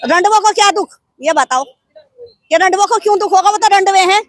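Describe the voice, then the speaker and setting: A woman's voice: extremely high pitch, brisk, no room sound, clean studio sound. A middle-aged woman, a grieving mother, speaking in an impassioned, indignant way in a street interview and firing rhetorical questions.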